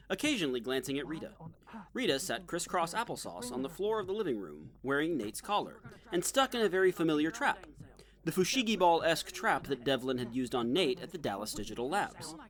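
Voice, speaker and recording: A man's voice: a little high, big pitch swings, brisk, a bit bright. A man reading scripted narration for an audio drama.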